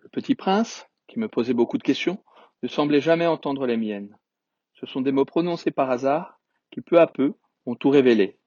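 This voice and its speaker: A husky-voiced man narrates a storybook in a calm, measured way. He sits in the middle range of pitch, and the sound is dry and close. The whole thing comes through a dull, lo-fi recording. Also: no room sound. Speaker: storyteller reading a book aloud. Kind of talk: storybook read-aloud.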